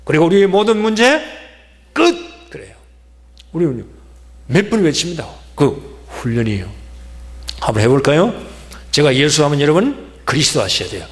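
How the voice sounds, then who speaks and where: A male pastor preaches in a church sanctuary, his voice pitched high and swinging widely between loud bursts and low asides. He talks emphatically and leads the congregation in chanted responses. A long hall reverb trails every phrase. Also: very animated, moderate pace, long pauses. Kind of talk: sermon.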